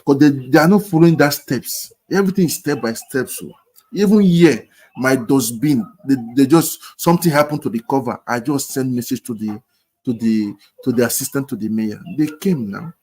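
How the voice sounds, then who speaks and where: A man's voice: medium pitch, moderate pace, warm tone, low-quality recording. A man with a Nigerian accent, arguing emphatically in a casual debate over a video call, repeating himself and mixing in pidgin. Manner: repetitive, emphatic, mixes in pidgin. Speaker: discussion participant.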